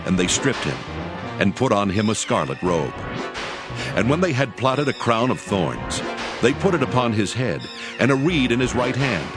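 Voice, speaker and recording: A man's voice: mid-range voice, big pitch swings, moderate pace, over music. A man narrating scripture as a dramatized reading.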